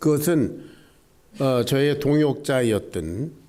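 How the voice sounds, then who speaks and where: A man's very slow speech, dark and mellow in tone, with audible room echo. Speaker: retired pastor. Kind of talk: sermon. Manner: frequent filler sounds, halting.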